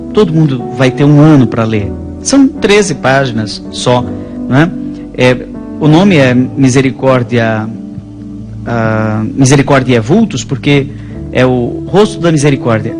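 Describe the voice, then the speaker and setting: A man with a Brazilian accent, a priest, talking conversationally about faith and telling stories in a halting, rambling way. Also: mid-range voice. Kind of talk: conversational religious storytelling. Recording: music playing behind the voice.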